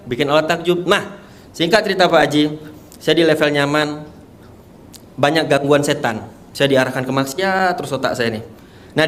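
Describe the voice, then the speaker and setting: A man's voice: fairly high pitch, a little hiss or hum. A young man, telling his testimony with emotion and emphasis, laughing often as he talks. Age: young adult. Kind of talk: animated testimony before a live audience.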